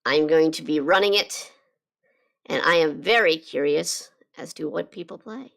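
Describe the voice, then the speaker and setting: A woman chatting casually on a live drawing stream, her voice slightly hoarse from being sick, rambling with lots of fillers and restarts. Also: sits low, unhurried, a bit bright. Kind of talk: casual chat while drawing.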